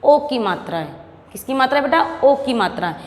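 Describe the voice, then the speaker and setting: A woman teaching a lesson to young pupils with a Rajasthani Hindi accent. She asks questions, answers them herself, and repeats each word slowly. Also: high voice, animated. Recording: echoey room with long reverb.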